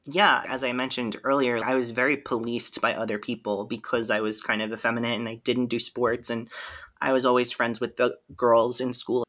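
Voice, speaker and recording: A man guest on a podcast, telling personal stories in an articulate, animated way and laughing often. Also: mid-range voice. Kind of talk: candid conversational storytelling.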